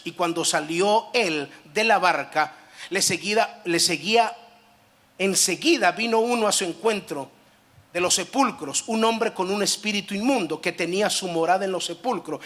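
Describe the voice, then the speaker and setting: A pastor preaching with emphatic swings between loud declarations and quieter explanation. His voice is high for a man and has a bright, sharp edge. He repeats himself and adds asides. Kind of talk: sermon.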